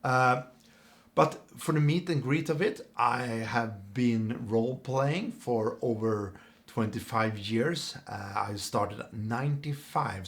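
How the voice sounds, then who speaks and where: A man from Sweden with a Swedish accent and a somewhat low voice talks casually about himself to the camera. English is his second language, so he often stops to search for words. His talk is full of fillers and restarts. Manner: halting, pauses to find English words, many fillers. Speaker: channel host. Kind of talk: casual self-introduction to camera.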